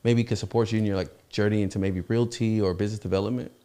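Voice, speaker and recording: Mellow low-voiced male host. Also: fairly even intonation, fast talker, smooth. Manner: encouraging, frequent backchannel, probing questions. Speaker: podcast host. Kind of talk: casual conversation.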